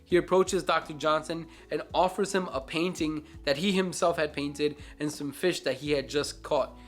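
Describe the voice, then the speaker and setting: A man's voice: a little high, steady tone, normal speed, faint music behind. A man hosting a Christian book review vlog, talking in an earnest, reflective, almost preacherly way.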